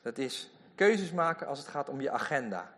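A man preaching a lively sermon in a church, full of emphatic asides. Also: medium pitch, normal speed. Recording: long hall reverb.

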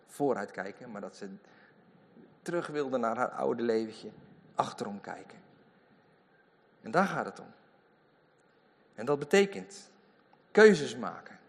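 A man preaching a lively sermon in a church, full of emphatic asides. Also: medium pitch. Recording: long hall reverb.

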